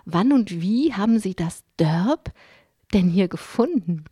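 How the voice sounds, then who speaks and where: A woman host asking prepared interview questions in a calm, measured way. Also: medium pitch, slightly rough, no echo, clean studio sound. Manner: calm, measured, partly scripted.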